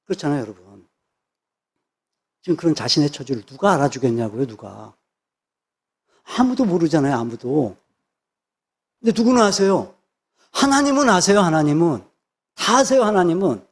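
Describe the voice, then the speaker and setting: A man's voice: on the high side, big pitch swings, moderate pace, pauses often, breathy edge. A man, a pastor, preaching a sermon with emphatic repetition of phrases. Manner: emphatic, repeats phrases for stress.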